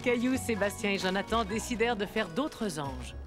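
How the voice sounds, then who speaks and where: Female narrator for a preschool cartoon: lively, varied intonation, storybook delivery, music underneath. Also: medium pitch, normal speed. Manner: expressive storytelling for young children. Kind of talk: scripted children's story narration.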